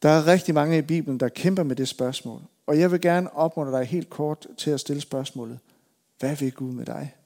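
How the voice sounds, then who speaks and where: His pitch fairly high, a man preaching as a pastor drives home repeated lines with emphasis and afterward relaxes into storytelling.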